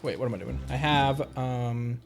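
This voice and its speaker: A man with a creaky, steady, medium-pitched voice speaks a little slowly while streaming a video game, with slight background noise and soft game music behind him. He keeps up a casual, rambling chat, thinking aloud.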